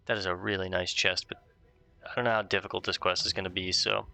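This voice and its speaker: Gravelly man casually playing a game. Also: low-pitched, little pitch movement, quick pace, pushed and bright. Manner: laid-back, reads quest text aloud. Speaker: let's play host. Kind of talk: casual gaming commentary.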